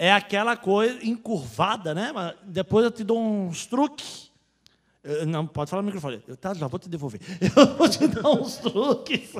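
Animated in tone, a man speaks at a high pitch with very wide pitch swings and big swings in loudness. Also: fairly slow pace. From Florianópolis, southern Brazil. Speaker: TV and YouTube music show host. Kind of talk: casual talk-show interview. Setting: TV studio.

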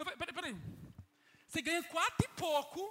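A man's raised, projected voice sits at an extremely high pitch. His tone is animated and his intonation lively. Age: 30s. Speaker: preacher. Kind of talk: sermon. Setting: church.

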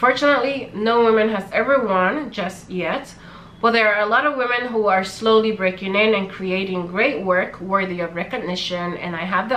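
A woman speaks at a medium pitch and a moderate pace with ordinary pitch variation. Noticeable background noise runs beneath her voice. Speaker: podcast host and filmmaker. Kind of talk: scripted intro. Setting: studio apartment in New York.

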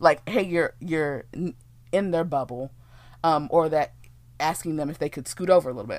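Her voice is fairly low in pitch as the woman talks with an American accent. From Texas, Houston. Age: 30s. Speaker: podcast host. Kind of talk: casual solo monologue. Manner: casual with frequent fillers.

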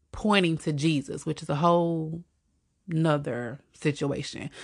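This woman's voice is very deep and low, with ordinary pitch variation at a fairly slow pace. The recording is very clean, with a silent background. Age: 20s. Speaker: podcast host. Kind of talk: casual faith talk monologue.

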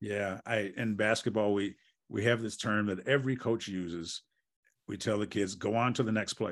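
Against a quiet background, a man with an American accent and a plain, everyday voice speaks at a moderate pace, fairly low in pitch, with fairly even intonation. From US Midwest (Wisconsin). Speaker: motivational speaker and basketball coach. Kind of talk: interview storytelling.

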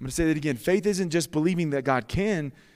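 At a very fast pace, a man talks with ordinary pitch variation in a very clean recording with a silent background. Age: 30s. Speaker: young adult pastor. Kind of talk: sermon. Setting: church service with live audience. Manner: animated.

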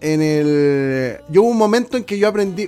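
A man with a Chilean accent speaks in a high voice and an animated tone at a moderate pace, with music in the background. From Chile, Santiago. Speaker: podcast host. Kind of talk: casual chat.

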